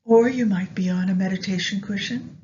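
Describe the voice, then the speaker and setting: Dull noisy recording, woman, guided meditation, soothing delivery, mid-range pitch, long pauses. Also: warm tone. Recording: dull lo-fi audio with background noise.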